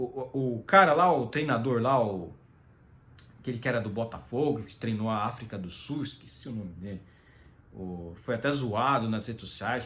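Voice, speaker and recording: A man's voice: medium pitch, fairly bright tone. A Brazilian man giving rambling, casual solo commentary, full of fillers and tag questions.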